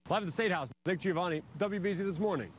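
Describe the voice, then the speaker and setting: Higher-voiced male field reporter, faint traffic noise. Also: fast talker. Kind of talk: scripted live news report.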